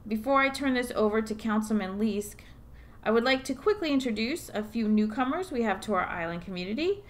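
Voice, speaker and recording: A woman's voice: fairly high pitch, close to an everyday voice. Actress as a formal, firm woman mayor. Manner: formal public address.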